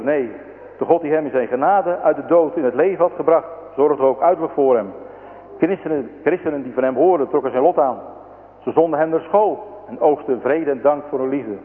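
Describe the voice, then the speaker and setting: A man's voice: medium pitch, phone-quality sound. Solemn man narrating on old radio. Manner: solemn, preaching. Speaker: story reader. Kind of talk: solemn scripted religious story narration. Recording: thin echoing radio broadcast.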